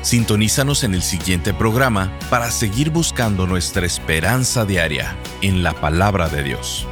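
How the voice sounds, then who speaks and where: Deep-voiced male radio announcer over music. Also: animated, normal speed. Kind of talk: scripted announcement. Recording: read over clear music bed.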